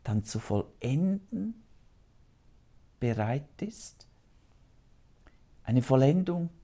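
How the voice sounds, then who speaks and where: A man's voice: mid-range voice, very animated, extremely slow, dark tone. A man in his fifties, a priest, preaching solemnly and earnestly to camera in a small TV studio on a lapel mic. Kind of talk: televised sermon.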